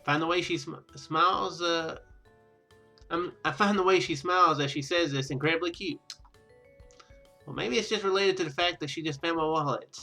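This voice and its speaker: Guy w/ bright kinda high voice reading a visual novel out loud, casual, trips over words, music behind. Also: normal speed. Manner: stumbles over read lines and corrects himself. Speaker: gaming video host.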